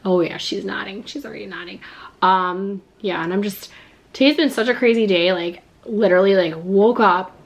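A woman's voice: mid-range voice, steady tone, normal speed. A woman in her thirties chats casually to a close camera in her home kitchen. She sounds a little stuffed up, with a slight cough, and keeps dropping "like" between her words as she rambles. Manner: chatty, lots of "like" fillers. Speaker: vlogger. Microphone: camera at close range.

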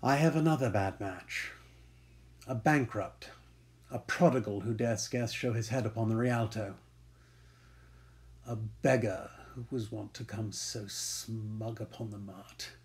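A man's voice: on the high side, darkish tone. A man playing an aggrieved, vengeful Shakespearean moneylender in an intense, theatrical stage monologue. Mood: brooding.

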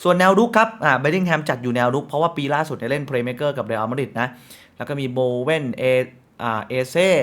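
A man's voice: medium pitch, a bit bright. A man hosting a casual football news show, chatty and reading sponsor plugs between the news. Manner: chatty, reads sponsor ads quickly, frequent polite fillers.

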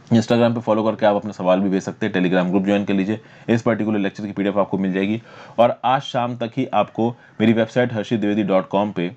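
A man's voice: fairly low pitch, darkish tone. A man with an Indian accent giving a conversational, explanatory current affairs lecture as a teacher, posing questions and answering them. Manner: conversational, explanatory, mixing Hindi with English terms. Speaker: online exam-prep teacher. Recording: dull, lo-fi voice recording.

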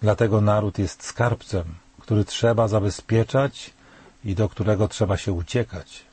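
Older male commentator, dark and husky, measured and solemn delivery. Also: fairly low pitch, fairly even intonation, dry recording. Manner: measured, grave, rhetorical questions. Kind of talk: scripted spoken commentary.

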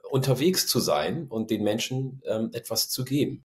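A man in his forties hosts an interview podcast, putting casual questions to his guest. He speaks at an unhurried pace and often stops on fillers while he searches for words. He is recorded on a studio condenser microphone in a home room. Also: medium pitch, animated. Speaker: podcast host. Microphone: studio condenser mic with headphones.

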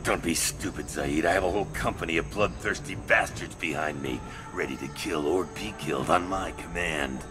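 A man's voice: sits low, moderate pace, few pauses, close to an everyday voice. An actor playing an arrogant, sadistic male mercenary boss in a video game. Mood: smug menace. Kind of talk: cinematic video game acting. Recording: dramatic music behind the voice.

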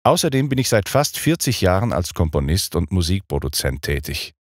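Middle-aged male audiobook narrator, low voice with a wide melodic range, dry close studio sound. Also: sing-song, no room sound. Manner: clear, deliberate trained-singer delivery; precise, emphatic stress. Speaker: audiobook narrator and speech coach. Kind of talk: scripted audiobook lesson narration.

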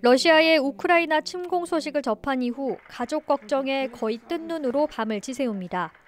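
A woman reporter narrating a news story in a measured, scripted reading. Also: high-pitched.

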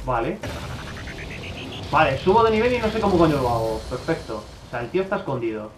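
A man from giving casual commentary over his own gameplay, swearing a lot and breaking into loud outbursts. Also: mid-range voice, fairly quick, echoey room, faint music behind, low-quality recording. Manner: swears often, bursts into excited outbursts.

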